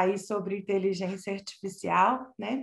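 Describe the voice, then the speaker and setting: Speaking in a Minas Gerais accent, a woman talks at a moderate pace with a medium pitch. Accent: Minas Gerais (mineiro). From Brazil, Minas Gerais. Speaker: lawyer, panel speaker. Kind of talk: online panel talk. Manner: frequent fillers (né, é).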